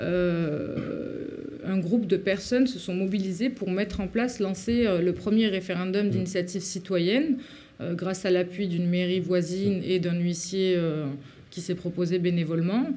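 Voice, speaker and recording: At a fairly slow pace, a woman speaks in a dark, mellow tone with fairly even intonation. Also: medium pitch for a woman. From southern France. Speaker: round table moderator, protester. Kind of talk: moderated round table discussion. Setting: studio.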